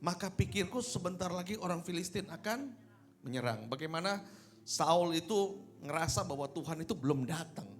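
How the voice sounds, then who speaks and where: A man's voice: a little high, expressive, moderate pace. A man preaching a conversational, joking sermon, often checking with listeners through rhetorical questions. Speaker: pastor, preacher.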